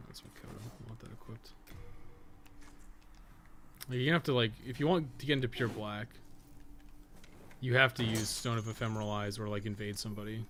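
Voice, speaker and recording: A man's voice: lowish voice, brisk, long pauses. Rambling man with noisy background. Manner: rambling, thinking aloud, swears casually. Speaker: podcast co-host playing a game. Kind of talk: casual gameplay commentary. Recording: clear steady background noise.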